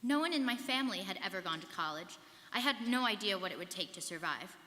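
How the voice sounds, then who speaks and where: With a bright, forceful, medium-pitched voice, this young woman talks fast and expressively as a student performer giving a rehearsed reading of her own life story. Her earnest recollection was captured live in an echoing hall.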